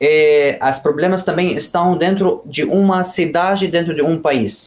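A man with an Arabic accent, fairly high in pitch, at a fairly slow pace. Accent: Arabic-accented Portuguese, still learning. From Lebanon. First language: Arabic (speaking Portuguese). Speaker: journalist, foreign correspondent. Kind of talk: interview. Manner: halting, many fillers and repetitions.

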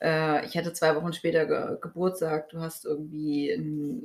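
A woman with an unremarkable speaking voice, fairly low pitch, fairly even intonation, and a fairly slow pace. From Schwerin, northeastern Germany. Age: 30s. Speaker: podcast co-host. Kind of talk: casual chat. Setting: at home, kitchen table.

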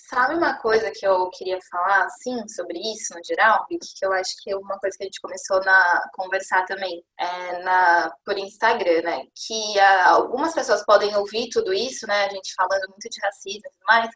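A woman with a plain, everyday voice speaks at medium pitch and a moderate pace, hardly any pauses, ordinary pitch variation and big swings in loudness. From São Paulo, Brazil. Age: 20s. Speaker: advertising professional. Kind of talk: casual discussion. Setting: video call.

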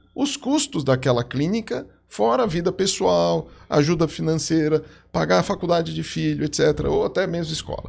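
On a very clean recording with a silent background, a fairly high-pitched man speaks fairly slowly with very wide pitch swings. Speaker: plastic surgeon and financial educator. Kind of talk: podcast interview.

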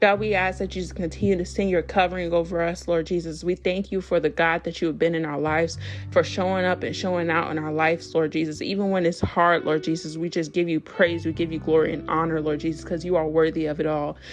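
Very fast and animated, a woman with a Southern US accent talks at a fairly low pitch. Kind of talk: devotional talk and prayer. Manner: fast talker.

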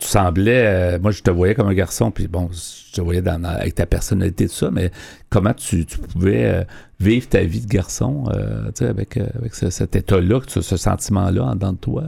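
A man's very deep, low voice has vocal fry and a dark, mellow tone, moving at a fairly slow pace with lively intonation. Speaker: radio host. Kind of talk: radio interview.

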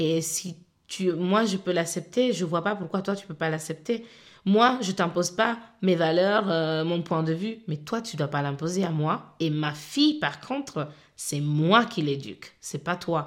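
A woman talks in an ordinary speaking voice at a fairly low pitch. Her pace is fairly slow, with ordinary pitch variation. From Italy, of Senegalese parents. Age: 30s. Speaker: podcast guest, eldest daughter and mother. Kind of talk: personal testimony interview.

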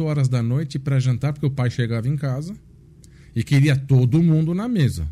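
A man with a fairly high pitch and a dark, mellow tone speaks somewhat breathily at a moderate pace. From São Paulo, Brazil. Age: 40s. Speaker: endocrinologist. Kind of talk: interview on health. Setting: studio.

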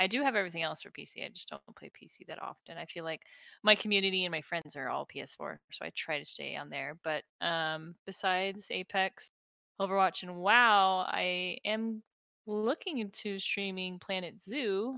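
Against a quiet background, a woman with an American accent talks at a moderate pace in an unremarkable speaking voice, her pitch medium and its variation ordinary. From Arizona. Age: 20s. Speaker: streamer. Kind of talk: casual chat. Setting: online call.

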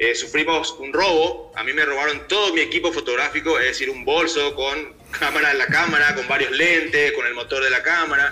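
The speech runs at a moderate pace with hardly any pauses. Noticeable background noise is present. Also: man. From Paraguay, Asunción. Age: 40s. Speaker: photojournalist. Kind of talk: interview.

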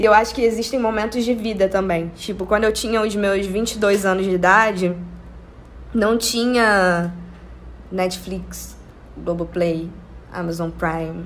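At a fairly slow pace, a woman speaks with long, frequent pauses amid audible room echo. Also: medium pitch for a woman, fairly even intonation. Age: 30s. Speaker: podcast co-host. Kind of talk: casual chat.

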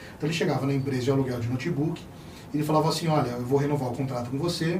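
A man talks at a very fast pace in a fairly high voice, with audible room echo. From Brazil, São Paulo. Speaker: company founder. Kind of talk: interview.

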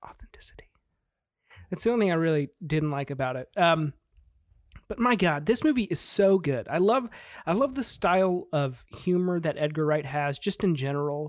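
A playful tone at a moderate pace, captured in a very clean recording with a silent background. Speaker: podcast co-host. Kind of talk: casual banter, film review podcast. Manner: playful, joking.

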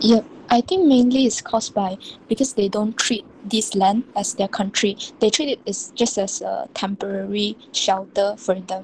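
Speaking at a moderate pace, a woman with a Malaysian accent uses a medium pitch and ordinary pitch variation. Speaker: student podcaster. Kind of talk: casual chat. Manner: animated.

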